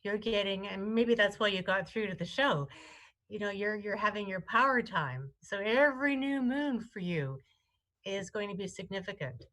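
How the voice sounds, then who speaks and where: A woman astrologer co-hosting a live call-in show, with a voice of middling pitch. She talks in a chatty, affectionate way and restarts her sentences often as she explains a chart. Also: lively intonation, moderate pace, bright, forceful tone, rough recording. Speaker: astrologer and co-host.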